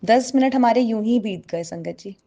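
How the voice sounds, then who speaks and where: A woman's voice: on the high side, moderate pace, dark tone. A woman tells a personal devotional testimony to a congregation, earnestly and often addressing her listeners directly.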